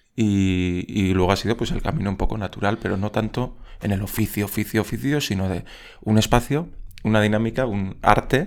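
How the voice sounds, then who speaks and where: Using a plain, everyday voice, a man talks at a moderate pace with a fairly low pitch and ordinary pitch variation. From Basque Country, Durango. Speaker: actor. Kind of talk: interview. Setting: film festival.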